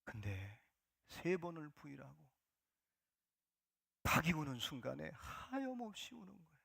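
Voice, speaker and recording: A male pastor gives a Sunday sermon in a church sanctuary. His voice sits high and rings bright as he preaches emphatically. He falls to hushed whispers when quoting. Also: huge pitch swings, measured pace, vocal fry, slightly rough.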